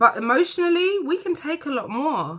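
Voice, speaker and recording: A woman in a London accent, fairly slow and animated, with a raised, projected voice, very wide pitch swings and a bright, sharp tone, on a very clean recording against a silent background. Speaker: beauty vlogger. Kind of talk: casual chat. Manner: chatty, talkative.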